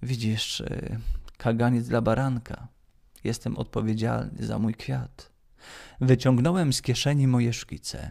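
Speech with a dark, mellow, gentle tone moves at a fairly slow pace. The intonation stays fairly even. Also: man, medium pitch for a man. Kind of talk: literary audiobook reading. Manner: measured, gentle storytelling pace; softly expressive, shifting tone between narrator and quoted characters.

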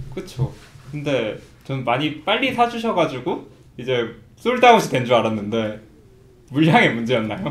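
A somewhat breathy man talks at a moderate pace with very wide pitch swings and long, frequent pauses, in audible room echo. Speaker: video producer. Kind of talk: casual chat. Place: meeting room.

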